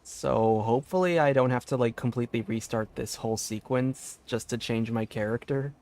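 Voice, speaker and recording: A man's voice: medium pitch, moderate pace, a little mellow. A man streaming a game, commenting casually in a giggly, rambling, self-deprecating way into a headset.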